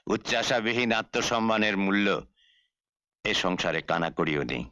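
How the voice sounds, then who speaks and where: A stern rich patriarch. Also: male voice, fairly low pitch, lively intonation, normal speed, sharp tone, no room sound, studio quality. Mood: scornful. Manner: stern, commanding. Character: proud rich older father, stern patriarch. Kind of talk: film drama acting. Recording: film soundtrack with music.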